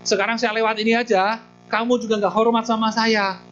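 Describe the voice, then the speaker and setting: Stern lecturing Buddha, as a man puts him on, slightly dull recording, higher than his own talk. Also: little pitch movement, fairly quick, a bit bright, faint music behind. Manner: firm, lecturing, matter-of-fact. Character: calm, knowing Buddha scolding a disrespectful man.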